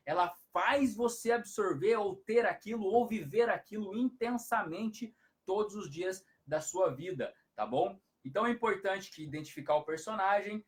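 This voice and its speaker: On a live stream, a hypnotherapist gives parenting advice, explaining things repetitively and often tacking on tag questions. His voice sits high.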